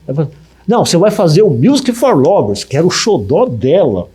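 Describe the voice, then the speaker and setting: A man's voice: a little high, brisk, slightly rough. A middle-aged man with a Brazilian Portuguese accent, a radio announcer telling stories in an interview, acting out the dialogue as he goes. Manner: lively anecdote telling, acts out dialogue, frequent tag questions. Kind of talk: storytelling in an interview.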